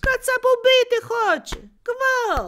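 Shouting in a shaky, put-on character voice, the speaker hits an extremely high pitch. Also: fairly slow pace.

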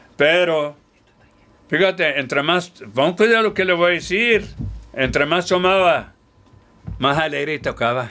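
This man's high voice moves at a fairly slow pace with long, frequent pauses, ordinary pitch variation and very even loudness. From Texas. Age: 70s. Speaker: accordionist; guest. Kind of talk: interview. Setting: studio. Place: home room. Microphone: studio mic.

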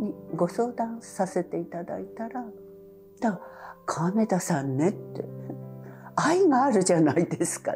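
Clear music plays in the background as a woman speaks at a fairly slow pace. She leaves long, frequent pauses. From Japan. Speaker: indigo dye researcher. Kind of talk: interview answer. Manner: positive, upbeat. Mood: warm, smiling, reflective. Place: workshop.

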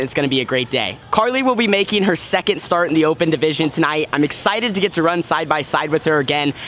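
Music plays in the background as a man talks at a very fast pace. He has ordinary pitch variation and hardly any pauses. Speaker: kart racer vlogger. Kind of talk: casual vlog chat. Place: hall. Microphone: phone near.

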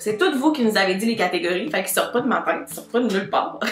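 Audible room echo surrounds a woman talking while faint music plays behind her. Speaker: vlogger host. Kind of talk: casual vlog chat. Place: home room. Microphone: phone near.

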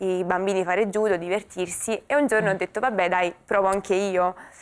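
A woman's fairly quick, monotone delivery with flat intonation. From Molise, Italy; Italy. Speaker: judo athlete; guest. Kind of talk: interview. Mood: earnest, reflective. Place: studio. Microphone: lapel.

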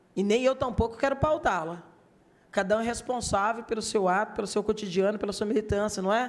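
Here a woman talks at a fairly quick pace in a fairly high pitch. Her tone is animated, with ordinary pitch variation. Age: 50s. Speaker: city councillor chairing a committee. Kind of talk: public council meeting. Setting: council chamber with microphones and audience. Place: hall. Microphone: podium.

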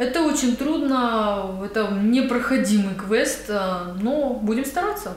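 With audible room echo behind her, a woman with a high pitch and lively intonation talks at a very slow pace with hardly any pauses. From Ukraine. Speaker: video blogger. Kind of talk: casual chat. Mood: bitter, exasperated. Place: home room. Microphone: camera far.

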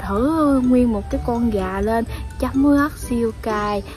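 A woman's voice, dry with no echo, with clear music in the background. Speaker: food vlogger. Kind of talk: casual vlog chat. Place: garden. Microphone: phone near.

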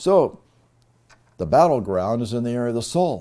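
A man at a moderate pace, with very wide pitch swings, over a quiet background. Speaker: preacher. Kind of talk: sermon. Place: church. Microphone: lapel.

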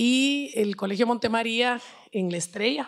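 A woman speaks at a fairly slow pace in a fairly high voice. Her pitch varies in an ordinary way, against a quiet background. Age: 60s. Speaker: author. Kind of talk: interview at book launch. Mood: warm, reflective. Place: studio. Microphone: handheld.

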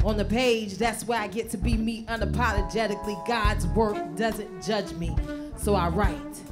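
A woman speaks at a fairly slow pace while clear music plays in the background. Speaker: spoken word poet. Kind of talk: spoken word performance. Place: stage. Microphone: handheld.

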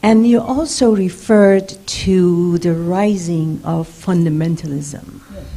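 Over noticeable background noise, a woman speaks at a fairly slow pace with a medium pitch, ordinary pitch variation and big swings in loudness. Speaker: audience member. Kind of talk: audience question. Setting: stage with audience. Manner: halting.

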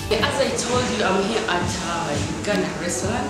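A woman speaks at a fairly slow pace. Clear music plays in the background, and there is audible room echo. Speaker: food vlogger. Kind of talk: casual vlog chat. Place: cafe.

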